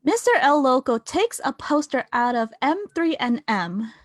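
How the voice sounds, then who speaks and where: A woman's voice: high voice, big pitch swings, a little slow, no room sound, studio quality. A woman narrating, reading scripted stage directions aloud.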